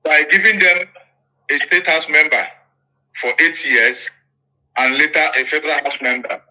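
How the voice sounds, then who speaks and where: Man, Nigerian accent, sharp forceful tone, slightly high pitch, emphatic, repetitive interview storytelling. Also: normal speed, low-quality recording. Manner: emphatic, repeats phrases and checks the listener follows. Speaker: interviewee, politician.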